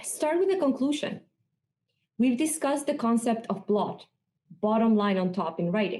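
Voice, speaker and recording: With a dark, mellow tone, a somewhat breathy woman speaks at fairly high pitch and a moderate pace. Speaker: product leader. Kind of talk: conference talk.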